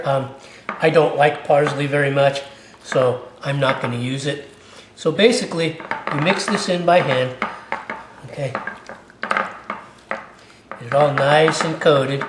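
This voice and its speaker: A man's voice: fairly high pitch, roomy sound, noisy background. A middle-aged man hosting a casual home cooking demonstration in his kitchen, talking chattily and tagging many of his sentences with "okay?". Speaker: cooking show host.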